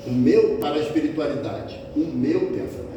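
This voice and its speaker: A man with a Brazilian Portuguese accent gives a spiritist lecture in the lecture hall of a spiritist center, asking the audience rhetorical questions. His voice is on the high side with lively intonation and a slightly fast pace, heard over music. The audio is dull, with an echoey hall, a distant mic, and faint ambience.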